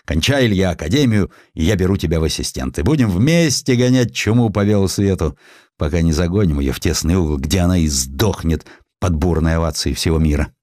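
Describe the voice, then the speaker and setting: A man's voice: sits low, expressive, brisk, a little mellow, no room sound, studio quality. A man voicing a hearty, brave older professor who speaks in a rousing, fatherly way.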